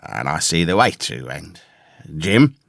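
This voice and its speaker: A man acts out a storybook castaway, ragged, pious and a little crazed. His voice is deep, hoarse and creaky, swinging up and down as he rambles eagerly in rough sailor's speech. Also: sing-song, unhurried, fairly bright tone, no echo, clean studio sound, exaggerated voice. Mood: confiding, rambling. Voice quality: hoarse, awkward.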